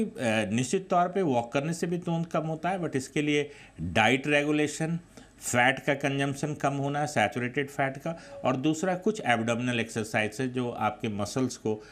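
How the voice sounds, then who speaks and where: A male doctor on a TV panel explaining health matters in technical terms, pausing on fillers. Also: medium pitch. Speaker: doctor guest.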